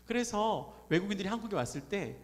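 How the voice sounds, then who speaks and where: A man's voice: high-pitched, expressive, quick pace. A man preaching a Sunday sermon as pastor, talking conversationally and putting questions to the congregation. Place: church sanctuary. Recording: reverberant church hall.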